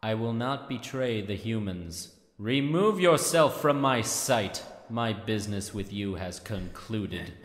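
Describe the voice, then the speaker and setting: Using a put-on character voice at medium pitch, a man talks at a fairly slow pace with slight echo. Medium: dub. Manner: terse, commanding.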